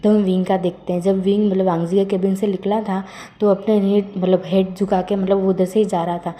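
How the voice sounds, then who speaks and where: A woman's voice: mid-range voice, little pitch movement, brisk, mellow. A woman casually narrating a fan-fiction story, rambling with lots of filler words.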